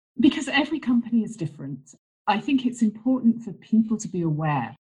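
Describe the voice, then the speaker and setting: A woman's somewhat breathy voice with lively intonation and a fairly quick pace. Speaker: executive coach and author. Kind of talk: interview, advice talk. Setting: recorded remotely, poor audio.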